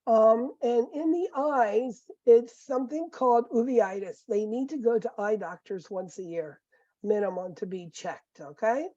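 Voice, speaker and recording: Middle-aged woman prof, squeaky voice kinda high, chatty, dull lo-fi mic. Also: unhurried, warm tone, no room sound. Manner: conversational, with many fillers and asides. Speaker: nursing professor. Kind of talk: recorded lecture. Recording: dull, muffled lecture recording.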